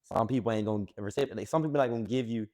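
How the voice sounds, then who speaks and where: A man's voice: fairly low pitch, very fast, warm tone. A man in his late twenties co-hosting a podcast, rambling in casual chat with heavy slang and lots of fillers. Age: late 20s. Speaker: podcast co-host.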